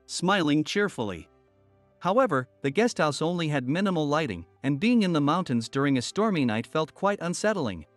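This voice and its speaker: A man narrating a first-person story in a steady, even storytelling manner. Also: on the high side, normal speed, no room sound. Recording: soft music bed under voice.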